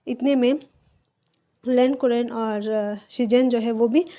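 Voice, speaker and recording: A woman casually narrating a fan-fiction story, linking scenes with relaxed fillers. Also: fairly high pitch, slow. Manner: casual, retelling with connecting fillers.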